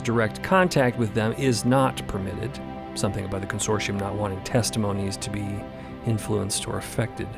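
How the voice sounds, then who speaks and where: A man narrating a scripted dramatic story as one of several narrators. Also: fairly low pitch.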